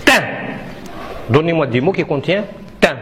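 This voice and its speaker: A man's voice: fairly high pitch, expressive, moderate pace, background noise. A man teaching pupils in a classroom, repeating syllables one at a time and correcting answers with short, firm replies. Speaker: primary school teacher. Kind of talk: classroom pronunciation drill.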